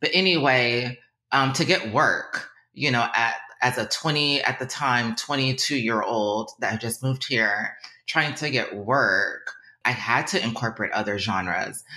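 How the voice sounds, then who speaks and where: A woman's very deep, low voice with an American accent, ordinary pitch variation and a fairly slow pace. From Virginia. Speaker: film composer and violinist. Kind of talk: interview.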